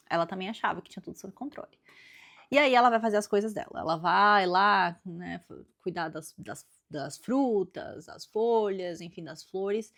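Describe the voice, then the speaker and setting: A woman's voice: medium pitch, a bit bright. A woman with a Brazilian accent giving a casual, chatty book review, thinking aloud as she retells the story. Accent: Brazilian Portuguese. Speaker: book vlogger.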